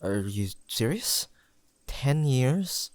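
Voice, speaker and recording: A young man playing a sentimental, teasing longtime best friend in an intimate audio roleplay, pausing for an unheard listener. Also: medium pitch, very animated, dry recording. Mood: nostalgic, fond. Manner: soft-hearted, playful banter with pauses for an unheard listener.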